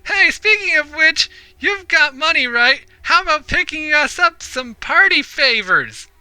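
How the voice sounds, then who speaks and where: Young ghost girl, party type, slangy and high, done by a male gamer. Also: expressive, a little slow, bright, forceful tone, no echo, full character voice. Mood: laid-back. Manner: slangy, careless and sly.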